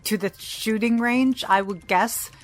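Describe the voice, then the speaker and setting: An actress playing a sardonic, condescending crime boss in an audio drama with a dry, wry delivery. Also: female voice, a little high, unhurried, faint music behind, lightly acted. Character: cool, sardonic female villainous boss.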